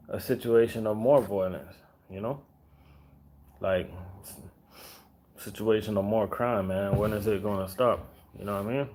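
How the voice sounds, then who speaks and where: A relaxed man from Jamaica talks to the viewers of his live stream in a lowish voice. He rambles loosely, stops and starts, and keeps checking in with his audience. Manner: laid-back, rambling, many fillers and "you know what I mean".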